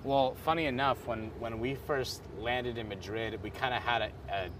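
A man hosting a casual walking interview, relaxed and friendly, with some restarts. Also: medium pitch, normal speed. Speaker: host interviewer. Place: outdoors on a college campus near traffic. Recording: clear outdoor traffic noise behind.

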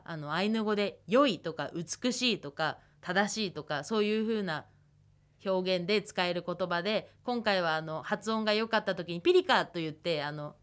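Young woman lecturer, radio lesson. Patient, careful, slow model pronunciations, mid-pitched voice. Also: fairly bright tone. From Hokkaido, Japan. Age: 20s. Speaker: language lecturer.

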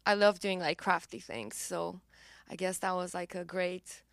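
Young woman, Romanian native, bright crisp voice, bubbly interview chat, dry close sound. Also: fairly low pitch, flat delivery, measured pace, no room sound. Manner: bubbly, filler-heavy, laughs easily. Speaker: singer-songwriter guest.

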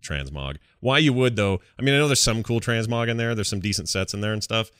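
A man's voice: on the low side, expressive, quick pace, fairly bright tone, smooth, no echo, studio quality. A man hosting a gaming podcast, talking casually and rambling through informal asides. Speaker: podcast host.

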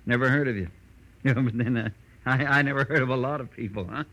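An actor playing a jovial, shifty crook boss who runs a garage, chuckling and wheedling in a 1940s radio crime drama. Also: male voice, medium pitch, fairly quick, sharp tone. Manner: chuckling, smug, wheedling, slangy. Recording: muffled vintage radio recording.

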